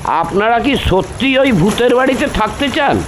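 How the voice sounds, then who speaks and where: Brief: older man playing an easygoing young man, higher and lively, slow and coaxing. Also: a little hiss or hum, low-quality recording. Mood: friendly.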